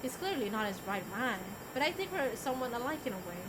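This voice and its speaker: High-pitched, lively woman streamer over music. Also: quick pace, background noise. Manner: expressive reading with casual asides. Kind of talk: livestreamed read-aloud of a visual novel. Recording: music under the voice. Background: game music.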